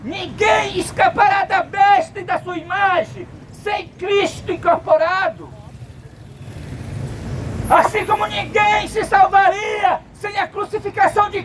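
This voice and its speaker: Brazilian man, street preacher, high voice, emphatic, distant mic, loud traffic behind. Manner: emphatic, rising into shouts. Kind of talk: open-air sermon.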